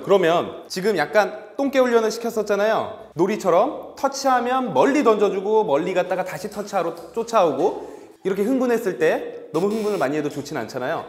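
A male dog behavior veterinarian and trainer giving an upbeat training demonstration, bursting into cheerful praise and quick commands. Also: high-pitched. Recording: echoey hall with faint music.

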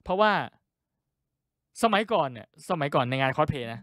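Male stand-up comic, crude and profane, very animated delivery. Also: on the high side, a little fast, dry recording, clean studio sound. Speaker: stand-up comedian. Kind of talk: stand-up storytelling.

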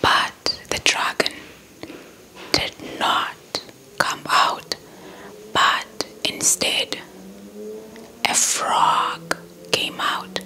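A young South African woman whispers an ASMR folktale into a close handheld mic, breathy, repeating soft words. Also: very slow, long pauses. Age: young adult. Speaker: ASMR storyteller. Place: indoors, in front of a dark cloth backdrop. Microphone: small handheld lavalier mic with windscreen, held close.

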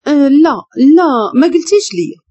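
A woman's voice: high-pitched, very animated, brisk, a little mellow, husky, full character voice. A woman doing a meek, timid homeless girl. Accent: Moroccan Arabic. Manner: meek, nervous and apologetic. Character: timid young homeless woman turned servant.

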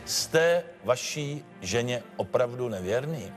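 A man's voice: mid-range voice, expressive, soft background music, lightly acted. An actor playing a stern male judge who admonishes the witness and keeps order in a TV courtroom show.

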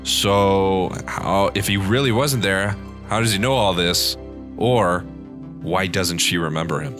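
A man's voice: deep voice, measured pace. A man with a congested, nasal voice giving loose, rambling let's-play commentary and swearing freely. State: congested from allergies, tired throat. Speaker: gaming channel host. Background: game music.

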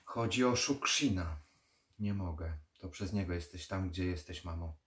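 A man's voice: deep voice, moderate pace, natural voice. A man reading a haunted, stubborn young man. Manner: stubborn, agitated.

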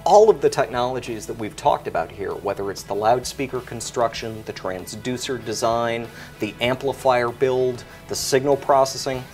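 A man's voice: mid-range voice, moderate pace, faint music behind. A man in his forties explaining a product as an expert, articulate and technical in his wording.

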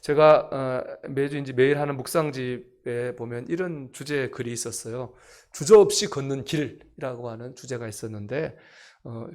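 A man preaching a sermon as pastor, swelling loud on repeated phrases and dropping to soft, slow asides. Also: medium pitch.

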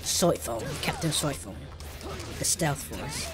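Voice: mid-range voice, lively intonation, takes it slowly, music in the background. A gaming streamer with an African American English accent, giving casual gameplay commentary.

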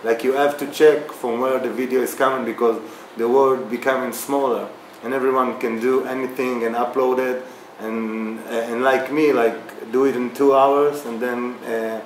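A man in his thirties with an Israeli accent, answering interview questions casually with many fillers and restarts. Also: medium pitch. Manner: halting, many fillers and restarts, animated hand gestures. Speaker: guest, video remixer. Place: small bright room indoors. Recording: echoey room, faint background hiss.

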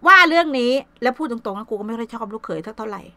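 A woman's voice: fairly high pitch, animated, rapid-fire, sharp tone, no room sound. An older woman talking casually in a blunt, coarse, scolding way. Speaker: vlogger. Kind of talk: casual chat. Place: Sweden.

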